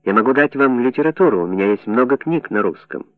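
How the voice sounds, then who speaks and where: Мужчина-чтец озвучивает иностранную журналистку, говорит размеренно и искренне. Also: male voice, mid-range voice, lively intonation, fast talker, no echo, natural voice. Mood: earnest. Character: foreign woman journalist, calm and earnest. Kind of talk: audiobook character reading. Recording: dry narrow phone-like sound.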